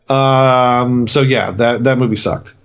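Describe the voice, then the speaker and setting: A man co-hosting a movie review podcast, talking in a rambling, profane way with many restarts. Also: medium pitch. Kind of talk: casual chat. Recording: dull lo-fi sound.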